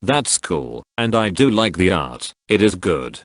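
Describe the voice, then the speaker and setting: A man's voice: deep voice, sing-song, measured pace, no echo. A man reading social media posts aloud, speaking every handle and symbol out literally.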